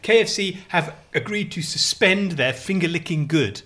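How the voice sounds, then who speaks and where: A man's voice: high voice, lively intonation, normal speed, sharp tone, a little hiss or hum. A man co-hosting a casual chat, telling wry stories and ranting with gusto. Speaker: podcast co-host.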